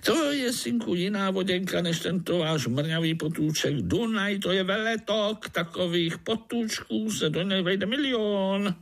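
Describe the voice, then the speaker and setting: A man's voice: sits high, few pauses, voice pushed up. A man voicing a boastful, hungry male mosquito from the Danube who speaks with a Slovak accent and a jovial, teasing manner.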